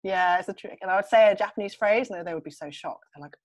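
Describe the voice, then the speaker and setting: A young woman from England talking as a podcast guest in a relaxed interview, hesitating with ums and restarts and laughing often. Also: medium pitch, fast.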